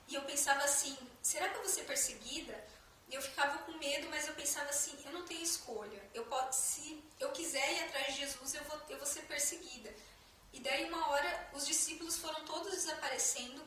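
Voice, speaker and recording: A woman, high and bright in tone, tells her personal testimony with feeling, pausing and restarting. Her voice sounds a little away from the mic and rings in a very echoey room with a faint hiss behind it. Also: recorded from a distance. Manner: emotional storytelling, many fillers and restarts. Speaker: Christian vlogger.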